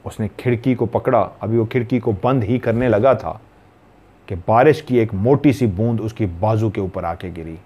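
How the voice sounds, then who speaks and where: A man's voice: on the low side, normal speed, dull audio. Male storyteller from Pakistan, suspenseful horror narration. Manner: dramatic, suspenseful.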